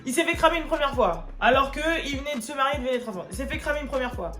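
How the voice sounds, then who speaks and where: Young woman vlogger, chatty and animated, higher voice, echoey room recording. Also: very fast, soft background music. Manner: chatty, animated, many fillers. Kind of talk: casual gossip vlog.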